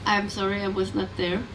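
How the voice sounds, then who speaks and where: Young woman from Denmark, far from the mic. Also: mid-range voice. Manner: friendly, chatty, with light laughs. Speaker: audience member asking a question. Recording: far from the mic, room noise.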